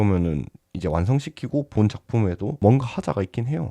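A man with a fairly low pitch and a dark, mellow tone talks at a very fast pace with lively intonation. The sound is dry and close, with no echo. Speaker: illustrator and small shop owner YouTuber. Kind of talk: casual solo chat while working. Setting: at home in front of plain wallpaper. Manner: rambling stream-of-consciousness.

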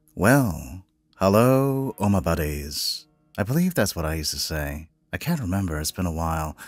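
A man talks at a moderate pace with a very deep, low pitch and lively intonation. Music plays in the background. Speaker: gameplay video host. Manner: chatty, rambling.

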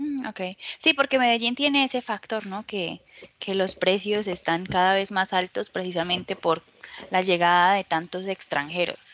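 A woman talks at a fairly slow pace with ordinary pitch variation, and the sound is dry with no echo. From Colombia, Cúcuta; Colombia. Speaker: Spanish teacher. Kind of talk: casual conversation lesson. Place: home room.

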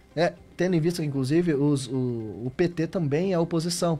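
Faint music sits in the background while a man talks at a moderate pace. His pitch is high, with ordinary pitch variation. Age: 20s. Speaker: newly elected city councillor; elected city councillor. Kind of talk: radio interview. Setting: radio studio. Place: studio. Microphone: studio mic.

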